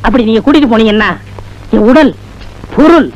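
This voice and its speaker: A high, quick, wheedling prisoner. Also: male voice, dull audio. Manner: flattering, wheedling. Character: cheeky male prisoner, a simple whitewasher. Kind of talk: film comedy dialogue.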